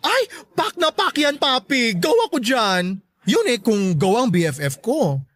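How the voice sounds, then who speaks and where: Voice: mid-range voice, big pitch swings, unhurried, fairly bright tone, dry recording, soft background music. A performer playing a flamboyant, teasing gay best friend in a Filipino radio drama, with a campy, exclamatory delivery. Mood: excited. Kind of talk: Tagalog radio drama acting.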